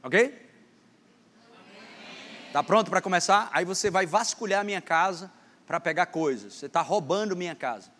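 Expressive and a bit bright, this man's high voice keeps a normal speed but leaves long pauses. In a church hall, he delivers a playful sermon to the congregation, teasing a volunteer on stage as they act out the lesson together. Long hall reverb and faint background noise fill the recording.

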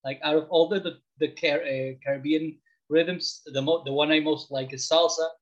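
A man's voice: fairly high pitch, steady tone, moderate pace. A man from the Dominican Republic, around forty, talking about himself casually as an interview guest. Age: late 30s or older. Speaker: podcast guest. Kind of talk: casual interview, personal storytelling. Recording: slightly dull, lo-fi audio.

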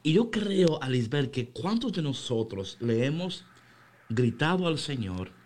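Animated man chatting on radio. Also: on the high side, unhurried. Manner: animated, mixes English phrases. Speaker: radio devotional co-host. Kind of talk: casual faith chat.

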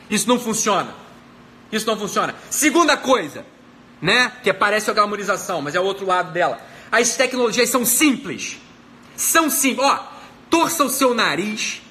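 A Brazilian man gives a motivational self-help talk in a high, bright voice. He talks fast and bluntly, swearing freely and repeating key phrases. A faint noise sits under his voice. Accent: Brazilian Portuguese. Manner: blunt and profane, emphatic repetition. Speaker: psychiatrist.

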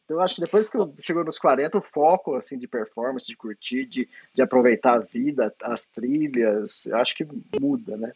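A Brazilian man with a Brazilian Portuguese accent hosting a podcast interview, speaking calmly and reflectively. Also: mid-range voice, fairly quick, hardly any pauses, husky, no echo. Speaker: podcast host. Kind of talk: casual interview conversation. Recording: dull lo-fi podcast audio.

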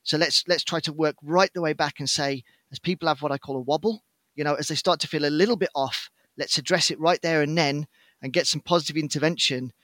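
British guy guesting on a podcast, a bit high voiced, talks it through carefully, dry sound. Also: steady tone, sharp tone, no room sound. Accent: British English. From United Kingdom. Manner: articulate, measured explanations with frequent fillers. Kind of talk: casual podcast interview.

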